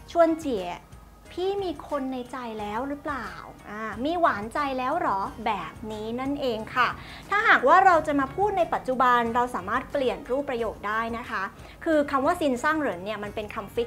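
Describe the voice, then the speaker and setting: A young woman with a high, bright-sounding voice hosts a language lesson, explaining phrases word by word in a chatty, polite way. Soft music plays faintly underneath. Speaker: host teaching Chinese through drama clips.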